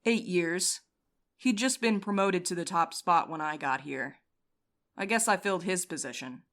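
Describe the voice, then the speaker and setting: A woman voicing a composed, wry courier in an audio drama, calmly taking charge and teasing the others. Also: lowish voice, moderate pace. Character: dry, scheming woman courier, coolly in charge. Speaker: night courier Val.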